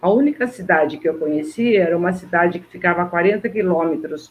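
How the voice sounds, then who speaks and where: A woman talks at a fairly quick pace, her pitch fairly low and its variation ordinary. She has an ordinary speaking voice. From rural Brazil. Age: 60s. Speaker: interviewee sharing spiritual experiences. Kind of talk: personal testimony interview.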